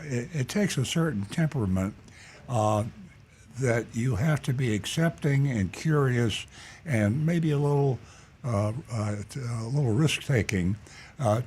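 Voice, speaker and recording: A man's voice: mid-range voice, a little mellow, slight background noise. A man hosting a car talk show, speaking thoughtfully and restarting phrases as he thinks. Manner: thoughtful, halting, repeats words as he thinks. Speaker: host. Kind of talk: radio talk show chat.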